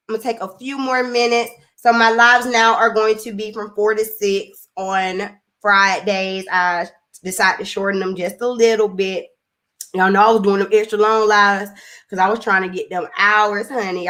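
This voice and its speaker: A young woman with a Southern accent talks casually on her live stream and reads comments from her viewers. She laughs often and stretches her words out in a lively, drawling way. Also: medium pitch.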